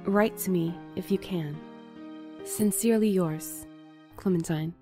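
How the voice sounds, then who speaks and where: A woman playing an earnest, guarded and conscientious postal worker in an audio drama, speaking in a measured, articulate way. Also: fairly low pitch, mellow, lightly acted. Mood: regretful, earnest. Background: music.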